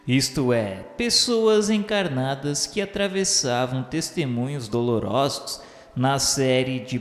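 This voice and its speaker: A slow, solemn male spirit played by a man narrates his memoirs in a Brazilian accent for a radio novel. The delivery is formal and measured, at a middling pitch. It rings with long hall reverb over music.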